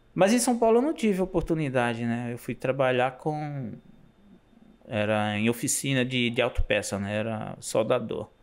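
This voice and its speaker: This man speaks at a moderate pace. His voice sits at a medium pitch with ordinary pitch variation. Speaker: restaurant entrepreneur; guest. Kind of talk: interview. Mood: relaxed, reflective. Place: studio. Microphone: studio mic.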